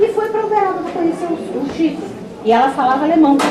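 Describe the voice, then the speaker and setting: Over crowd noise in the background and audible room echo, a woman speaks with lively intonation. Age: 60s. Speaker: psychologist giving a talk about a medium. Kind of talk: public talk.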